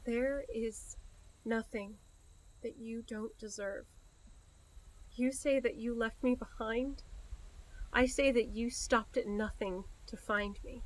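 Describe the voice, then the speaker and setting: A fairly high female voice from an actress plays a devoted woman in love. She takes her words very slowly, earnest and reassuring, in an intimate radio-play style. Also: steady tone, poor audio. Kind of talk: intimate audio drama acting.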